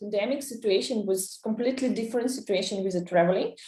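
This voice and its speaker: A woman speaks with a Russian accent and ordinary pitch variation. Her fairly high voice has a dark, mellow tone. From Russia, Moscow. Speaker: real estate executive. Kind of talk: interview. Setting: live online session. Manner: halting, many fillers.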